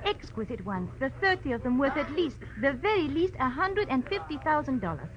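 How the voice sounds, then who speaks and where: An actress playing a refined, pleading French client in a 1940s radio detective drama, polite and dramatic. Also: female voice, sits high, big pitch swings, brisk, a crowd in the background. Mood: earnest. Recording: dull old radio recording with faint noise.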